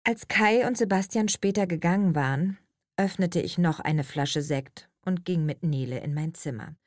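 A woman giving an expressive, lively first-person audiobook narration. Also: lowish voice, normal speed, no echo, clean studio sound.

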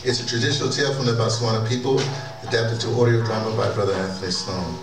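A man's voice: lowish voice, steady tone, quick pace, over music. A middle-aged man presenting and narrating a story for a live audio drama. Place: large wood-panelled conference hall, indoors. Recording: distant, echoey hall, clear background noise.

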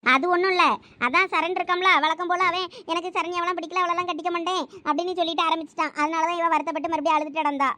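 Woman for a fast-talking, teasing young village cousin, Thoothukudi Tamil accent, high voice. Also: steady tone, pushed and bright. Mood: explaining. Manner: quick, bossy, teasing. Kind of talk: comedy skit acting.

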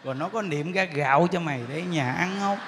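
A man's voice: a little high, a little fast, creaky, in a large hall, background noise. A man playing a nagging wife who scolds her husband with sarcastic questions. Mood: scolding.

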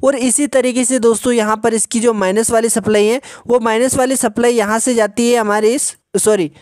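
A man patiently explaining a phone repair step by step in a tutorial voice-over, often pausing to check in with the viewer. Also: very high voice, fairly even intonation, darkish tone, dry recording, clean studio sound. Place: voice-over over a drawn circuit diagram.

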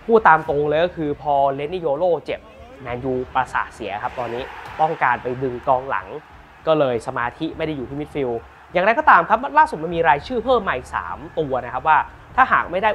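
Thai guy rambling about football transfers, jokey and animated, talks straight to camera. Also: fairly high pitch, muffled recording, slight background noise. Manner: chatty and animated, jokes about the club, playful asides on pronunciation. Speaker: football commentator. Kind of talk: casual football talk to camera.

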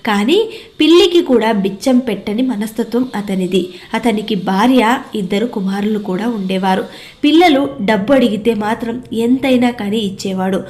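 Woman devotional storyteller, gentle and earnest, respectful address, a bit high-pitched. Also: moderate pace.

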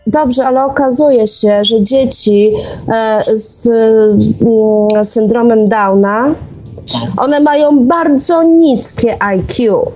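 A woman's voice: on the high side, slow, darkish tone, soft background music. A woman chatting casually and giving her opinions as a guest calling in to a radio show. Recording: clearly noisy call with clicks.

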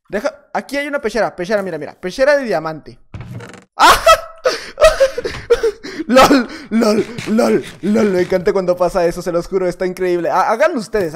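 A young man with a Mexican accent, commenting on his own gameplay in an excitable, chatty way and trash-talking opponents. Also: high-pitched, a little hiss or hum. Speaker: gaming YouTuber.

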